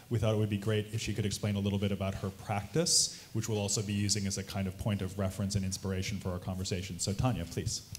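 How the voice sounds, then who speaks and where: Somewhat breathy, a man speaks at a fairly low pitch with fairly even intonation over light background noise. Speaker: craft historian; panel moderator. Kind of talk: panel discussion. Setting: stage with audience. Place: hall. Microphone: handheld.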